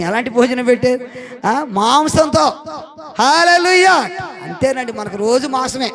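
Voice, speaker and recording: A middle-aged pastor, preaching an animated sermon full of stories in which he acts out the people he quotes, breaking into loud shouts of hallelujah. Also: high voice. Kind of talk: sermon with anecdotes.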